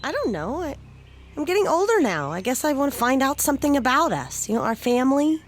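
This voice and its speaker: A woman playing a curious, headstrong young daughter with a sarcastic edge in an audio drama, expressive and pointed. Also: high voice, a little fast, slight background noise. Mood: earnest, eager.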